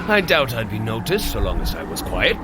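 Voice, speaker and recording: An actor playing a bold, good-natured warrior god in an audio adventure drama, hearty and formal in an old-fashioned way. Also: male voice, medium pitch, wildly swooping pitch, moderate pace, noisy background. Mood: teasing, breezy. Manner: hearty, formal archaic phrasing.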